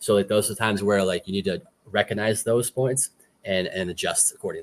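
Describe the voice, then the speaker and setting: Fairly low in pitch, a man talks with a Boston accent. His pace is fairly quick and his intonation fairly even. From Boston, US. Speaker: poker player and coach. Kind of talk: interview. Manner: fast.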